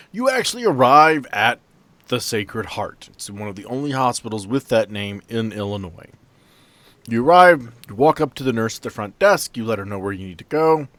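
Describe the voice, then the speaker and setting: A man's voice: mid-range voice, fairly bright tone, no room sound. A man narrating an improvised tabletop roleplaying game as game master, with a casual, joking way of talking.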